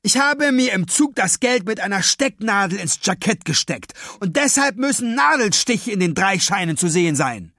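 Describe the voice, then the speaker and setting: A furious, honest young boy insists and shouts, almost in tears, as a male storybook reader puts him on. The voice sits high and swings wildly in pitch. It is recorded close and completely dry. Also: sing-song, moderate pace, hardly any pauses, dry recording, full character voice. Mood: insistent.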